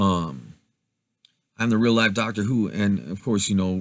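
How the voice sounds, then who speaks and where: A man with an American accent and an ordinary speaking voice talks at a fairly slow pace, fairly low in pitch with fairly even intonation, over a quiet background. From USA. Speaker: live streamer. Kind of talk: live stream commentary.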